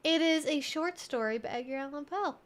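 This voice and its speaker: A woman with a high-pitched voice hosts a casual livestream. She talks informally and thinks aloud, wandering a bit from point to point as she chats with viewers. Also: brisk. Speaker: livestream host and educator.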